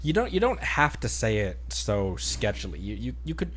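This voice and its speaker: A man's voice: on the low side, sing-song, a bit bright. Joking male game streamer, faint noise. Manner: joking, halting and repetitive. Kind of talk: casual live game commentary.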